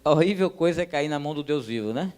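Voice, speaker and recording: A man teaching a church class in a sermon style, emphatic and animated, speaking directly to his listeners. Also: fairly high pitch, fast, clean tone.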